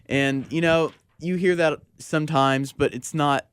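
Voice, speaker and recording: A man's voice: a little high, steady tone, measured pace, clean tone, no echo, studio quality. A young American man hosting a sports talk radio show in a casual, slangy, conversational way.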